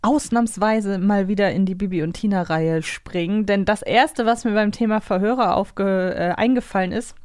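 A woman's voice: medium pitch, moderate pace, few pauses, a little mellow, no echo, studio quality. Woman podcaster with slight northern German accent. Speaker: podcast host. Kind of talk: casual co-hosted chat.

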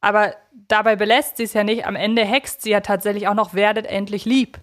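A woman's voice: medium pitch, little pitch movement, brisk, fairly bright tone. A woman co-hosting a podcast, talking in a conversational, thoughtful way and often searching for her words. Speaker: podcast co-host.

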